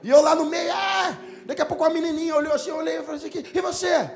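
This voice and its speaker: A male pastor telling a story in a sermon, animated and lively, sometimes breaking into shouts and laughter. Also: very high-pitched, rapid-fire.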